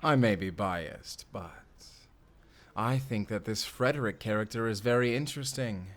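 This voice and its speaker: A man playing a suave, menacing fantasy villain in an audio drama, speaking with theatrical, deliberate politeness and command. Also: fairly low pitch, lightly acted. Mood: sly, intrigued. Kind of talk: audio roleplay acting.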